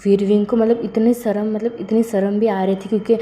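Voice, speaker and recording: A woman's voice: medium pitch, flat delivery, brisk, warm tone. A woman casually narrating a fan-fiction story, rambling with lots of filler words.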